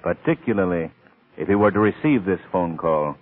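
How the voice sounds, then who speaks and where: An actor playing a suave, wry gentleman sleuth in an old-time radio drama, urbane and drily ironic, on a tinny old recording. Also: deep voice, expressive, moderate pace. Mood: wry, scheming.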